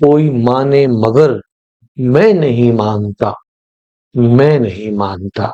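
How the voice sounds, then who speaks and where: A man's dark, mellow tone with lively intonation. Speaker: poetry reciter. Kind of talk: poetry reading. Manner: passionate, intense, defiant.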